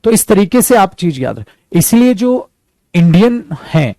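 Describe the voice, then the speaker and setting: A man's voice: high voice, sing-song, dark tone, no echo. Indian man teaching spoken English. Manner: explains in Hindi and repeats English example sentences slowly; encouraging, calls students "beta".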